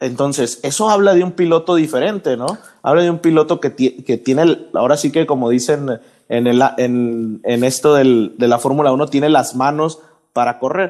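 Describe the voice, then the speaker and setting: A man speaks at a moderate pace in a normal speaking voice. His pitch is fairly high and varies in an ordinary way. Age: 20s. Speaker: motorsport podcast host. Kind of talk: casual chat. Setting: studio.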